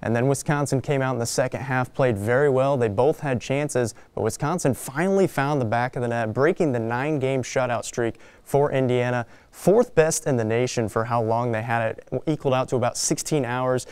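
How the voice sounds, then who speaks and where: A young man delivers a sports report in a smooth, clear voice. The sound is dry, with very little room in it, and his delivery follows a prepared recap style. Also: medium pitch, moderate pace, a little mellow, dry recording. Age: young adult.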